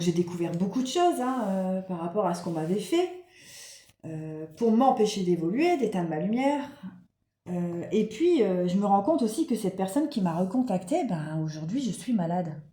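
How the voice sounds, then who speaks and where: A woman's voice: medium pitch, mellow, echoey room. A woman with a cold and sore throat giving a casual oracle card reading, speaking straight to her viewers with many fillers. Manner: chatty, many fillers, addresses viewers directly. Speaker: spiritual card reader.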